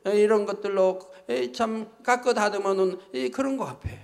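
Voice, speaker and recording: A pastor delivering a sermon, his voice pitched high for a man. He preaches emphatically, hammering each point home with repeated tag phrases. The sound rings with the long reverb of a church sanctuary. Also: normal speed, vocal fry.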